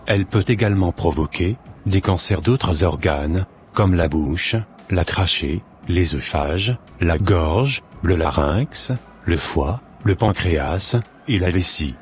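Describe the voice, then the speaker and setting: A man voicing an earnest Christian big brother in a cartoon, speaking in a measured, didactic, preachy way. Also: deep voice, a little hiss or hum. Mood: instructive. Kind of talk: scripted cartoon dialogue, expository.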